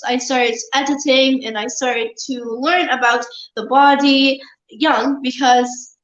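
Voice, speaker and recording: A woman's voice: high voice, a bit bright. A girl from Palestine, answering interview questions earnestly, with many fillers and restarts. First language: Arabic. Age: child. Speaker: guest. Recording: roomy, muffled remote audio.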